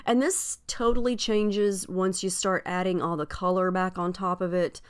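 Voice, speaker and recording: A woman talks through a crafting project in a relaxed, chatty way, filling her pauses with ums. Her voice is fairly low and smooth underneath, with a slight scratchiness left over from being ill. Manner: chatty, friendly, with frequent ums. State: slightly scratchy voice after illness. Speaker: scrapbooking video host. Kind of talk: casual crafting tutorial narration.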